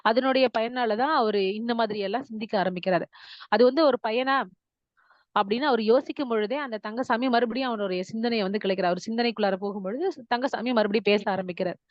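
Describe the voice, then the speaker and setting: A woman's voice: a little high, fast, no echo. A woman retelling a short story, explaining the plot and acting out the dialogue. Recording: dull muffled audio.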